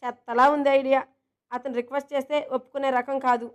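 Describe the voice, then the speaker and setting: A woman voicing a playful, headstrong young woman who works in an office, talking in a quick, cheeky way. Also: high voice, little pitch movement, clear, resonant tone, natural voice.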